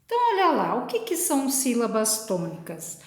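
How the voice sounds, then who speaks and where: A woman teacher from Brazil, slowly and patiently explaining a lesson to children step by step. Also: fairly high pitch, big pitch swings, echoey room. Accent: Brazilian Portuguese.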